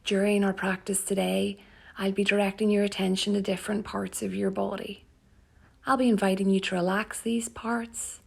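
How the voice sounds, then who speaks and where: A woman yoga teacher leading a guided relaxation meditation in a soft, breathy, soothing manner with gentle pauses. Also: mid-range voice, level tone.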